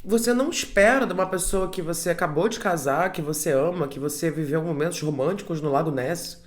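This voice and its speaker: A man hosts and comments on a guest's story. His voice sits a bit high for a man. He speaks earnestly and addresses the viewers directly. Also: a little fast. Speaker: host reacting to the story. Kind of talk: reflective commentary.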